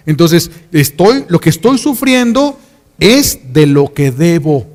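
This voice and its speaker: A Catholic priest, his voice pitched high for a man, preaching a sermon in a pleading, repetitive way full of rhetorical questions. A long reverb trails after his words. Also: big pitch swings, takes it slowly, a little mellow.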